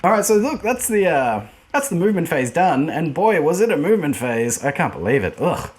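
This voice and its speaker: Excitable man, lively pitch. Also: brisk. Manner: excitable, exclaims and laughs often. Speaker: wargame player and channel host. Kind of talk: casual tabletop game commentary.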